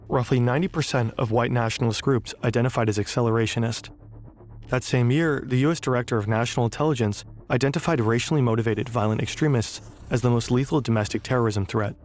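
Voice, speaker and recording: A man giving measured, scripted documentary narration. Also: medium pitch, a little mellow.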